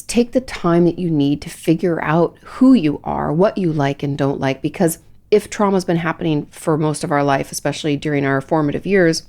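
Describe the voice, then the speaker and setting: Sounding congested and nasal with a head cold, a licensed therapist hosts her own podcast, fielding listener questions chattily with plenty of fillers and false starts. Her voice is low and darkish.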